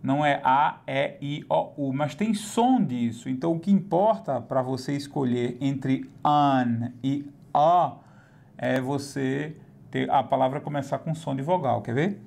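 A man teaching English in a recorded online lesson, explaining slowly and repeating each example word. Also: mid-range voice, vocal fry, a little mellow.

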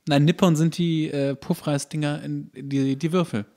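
A man's voice: on the high side, fairly even intonation, normal speed, a little mellow. A man co-hosting a podcast in casual comedic chat, with a dry, wry way of joking. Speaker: podcast co-host.

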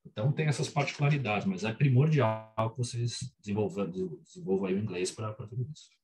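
A Brazilian doctor in casual chat, telling stories animatedly and acting out his own quotes, over a video call. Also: fairly low pitch. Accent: Brazilian Portuguese. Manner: animated, quick storytelling with acted-out quotes. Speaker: guest doctor working abroad.

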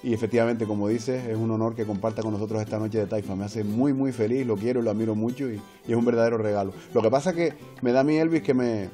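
A man's voice: on the low side, steady tone, quick pace, hardly any pauses, warm tone, faint music behind. A man in his forties with a Canarian Spanish accent, chatting as a guest over a video call from home. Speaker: guest folk poet. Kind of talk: conversational interview by video link. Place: home room with books and drum. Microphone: earphone mic on video call.

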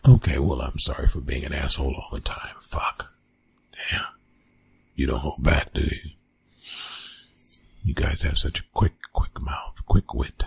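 A man playing a flustered, awkward young college bully in a one-sided ASMR roleplay, stammering and evasive, with a husky, gravelly voice. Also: a bass voice, a little slow, long pauses, a little hiss or hum, heavily acted. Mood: sheepish, apologetic. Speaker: roleplay audio performer.

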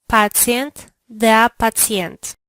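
A woman answering drill prompts in a language lesson, speaking slowly and clearly. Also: on the high side, steady tone, a bit bright, dry recording.

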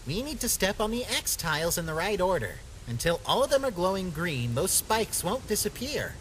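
A woman's voice: lowish voice, sing-song, moderate pace, a little hiss or hum, poor audio. A woman voicing an anxious, protective talking flower in a comic dub, earnest and cautioning. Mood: careful.

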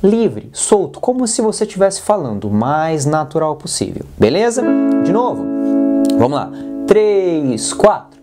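A man's voice: on the high side, sing-song, unhurried, loud music behind the voice. A man with a Brazilian Portuguese accent teaching a singing lesson, coaching in a direct, playful way and demonstrating sounds. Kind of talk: vocal lesson with exercises.

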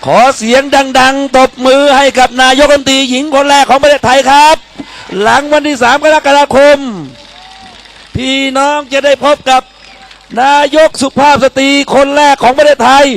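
Very high-pitched, gravelly man orating at a rally. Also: little pitch movement, normal speed, a bit bright, poor audio. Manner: declamatory, emphatic short phrases. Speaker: rally speaker introducing a candidate. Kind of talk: political rally oratory. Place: public campaign rally in Thailand.

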